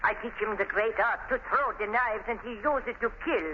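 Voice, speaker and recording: Actress as a high-voiced, frightened foreign widow. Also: female voice, close to an everyday voice. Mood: intense, bitter. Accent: foreign-accented English. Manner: dramatic, halting, broken English. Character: frightened foreign widow, a stage knife thrower. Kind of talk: 1930s radio acting. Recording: noisy, dull 1930s radio recording.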